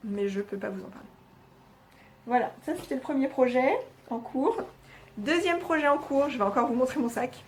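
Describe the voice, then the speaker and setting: A woman's voice: fairly high pitch, slight background noise. A young woman hosting a knitting podcast, chatting hesitantly with many fillers as she shows her projects. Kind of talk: casual chat showing knitting projects.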